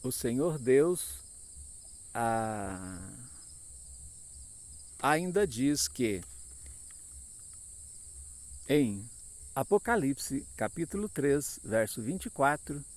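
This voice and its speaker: Slow, emphatic preacher man. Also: mid-range voice, big pitch swings. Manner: slow, emphatic preaching that often asks the flock for an amen. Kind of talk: sermon.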